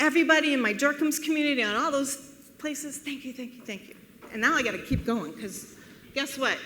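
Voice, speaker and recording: A woman uses a raised, projected voice at a high pitch. Noticeable background noise and audible room echo surround her. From New England. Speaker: patient advocate speaker. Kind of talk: conference talk.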